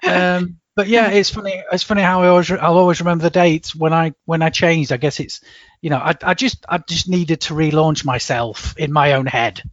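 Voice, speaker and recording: A middle-aged Englishman with a lilt talks in a chatty, hesitant way, often doubling words before he finds them. His voice sits a little high for a man. The sound is dry and a bit muffled, with no room around it. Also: steady tone, brisk, no room sound. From England. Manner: hesitant, repeats words, self-deprecating laughs. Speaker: guest. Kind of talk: casual podcast interview.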